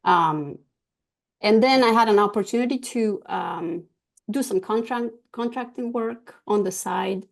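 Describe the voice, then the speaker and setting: A woman from Argentina whose first language is Spanish, a guest talking about her business in an interview, pausing often with ums and restarts. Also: medium pitch, gravelly. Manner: hesitant, many ums and restarts. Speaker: guest, cybersecurity business owner. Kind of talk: casual interview talk.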